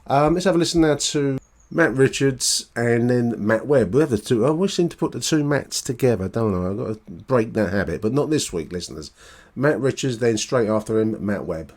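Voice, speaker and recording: A man hosting a casual fan podcast, speaking in a halting, matey way and correcting himself as he goes. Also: medium pitch, expressive, a little mellow. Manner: halting, self-correcting, matey, tag questions. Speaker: podcast host.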